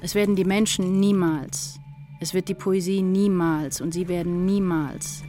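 A woman's voice: on the low side, fairly even intonation, measured pace, dark tone, faint music behind, natural voice. Actress as anguished, brooding woman writer. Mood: desolate. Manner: intense, introspective, poetic delivery. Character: anguished, brooding woman writer losing her sense of self. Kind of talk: literary radio drama acting.

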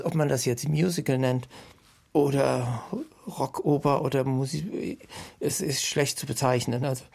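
Gravelly, husky middle-aged man reminiscing. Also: mid-range voice, darkish tone. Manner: halting, searching for words, emphatic repetitions. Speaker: musician and sound designer recalling past work. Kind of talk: spontaneous reminiscence.

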